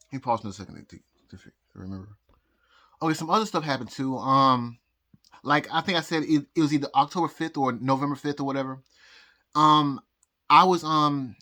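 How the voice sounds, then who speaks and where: A vlogger, a bright-voiced man with a mid-range voice, rambles through a personal story to camera, recorded on a phone. He sounds out of breath, speaking haltingly, repeating words, pausing often and laughing nervously.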